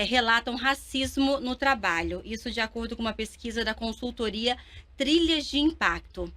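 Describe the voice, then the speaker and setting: A woman's voice: fairly high pitch, a bit bright. A Brazilian woman hosting a talk programme, introducing and questioning her guests. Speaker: talk show host.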